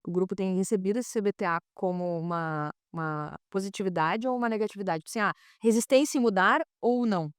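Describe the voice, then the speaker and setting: A woman, a pilot hosting a podcast interview, asking questions in a quick, chatty way. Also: mid-range voice, clear, resonant tone, dry recording, clean studio sound.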